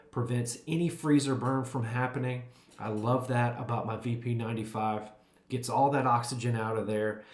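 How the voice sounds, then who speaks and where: Middle-aged American man, jolly folksy grill dad, upbeat cooking-vlog host, emphatic delivery, mid-pitched. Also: reverberant. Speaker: barbecue cooking vlogger and host.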